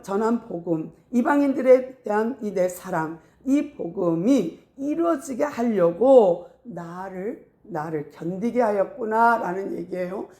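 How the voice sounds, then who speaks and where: A woman pastor preaching a sermon in a lively storytelling way, often acting out voices, in a casual spoken style mixed with preaching. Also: a little high. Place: church. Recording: echoey room.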